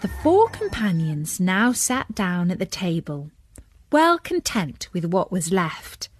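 A woman narrating a children's story in an expressive, dramatic storytelling manner. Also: on the low side, takes it slowly, slight background noise.

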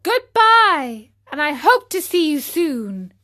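An eager wooden puppet boy, put on by a woman speaks in a high, lively storybook voice. He pleads in breathless bursts of questions. His tone is bright and earnest. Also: slow pace, exaggerated voice. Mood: distressed.

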